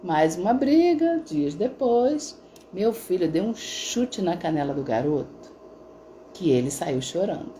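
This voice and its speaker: A woman's voice: on the low side, sing-song, a little slow, warm tone, a little hiss or hum. A middle-aged woman therapist talking casually on a live stream, telling stories with frequent tag questions. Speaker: integrative therapist.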